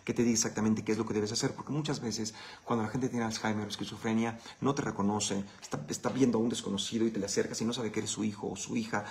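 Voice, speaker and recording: A man's voice: lowish voice, fairly even intonation, fast, hardly any pauses, a little mellow, a little hiss or hum. Blunt, profane Mexican man chatting. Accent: Mexican Spanish. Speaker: host answering viewer questions. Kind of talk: casual live Q&A chat.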